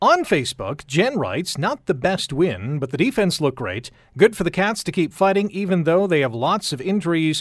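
A man's pitch swings very widely as he talks at a moderate rate. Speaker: radio host. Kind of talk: live radio call-in show.

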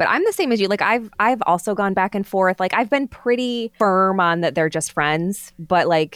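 A woman with an American accent uses a plain, everyday voice at a medium pitch and moderate pace, her intonation lively, in a very clean recording with a silent background and a dry, close sound with no echo. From US East Coast. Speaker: podcast host and comedian. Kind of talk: casual chat.

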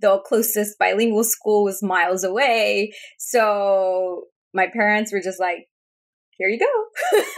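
Her accent is Spanish. This woman's intonation holds fairly even. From Texas (Spring), Mexican-American family. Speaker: investment executive. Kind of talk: interview, reflective conversation.

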